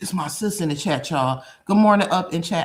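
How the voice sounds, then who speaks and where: Somewhat breathy and at a medium pitch, a woman with an American accent speaks with lively intonation. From Chicago. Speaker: live-stream reaction host. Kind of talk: casual live-stream chat. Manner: halting, with many fillers.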